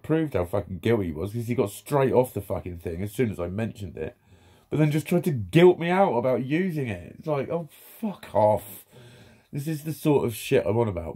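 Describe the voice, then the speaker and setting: A man's voice: lowish voice, warm tone, husky. A man, telling a story in a casual vlog rant, swearing constantly, laughing and acting out what people said, filmed close up while lounging in a small room. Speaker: vlogger.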